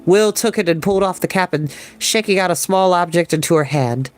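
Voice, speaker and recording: Young man, expressive storyteller, audiobook narration, light voice, music behind. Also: high voice, a little fast. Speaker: storyteller reading a novel aloud. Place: small room at a desk. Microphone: desk microphone.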